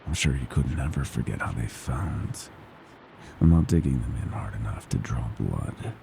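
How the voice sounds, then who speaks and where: Horror ASMR monster: male, predatory, mockingly tender, heavy gravelly creak, swooping intonation that slips into whispers. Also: sing-song, dark tone, slight background noise, heavily acted. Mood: threatening. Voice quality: very deep, gravelly creaking growl. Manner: menacing, slow and savoring, mockingly tender, slipping into whispers. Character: gleeful predatory male monster from under the bed.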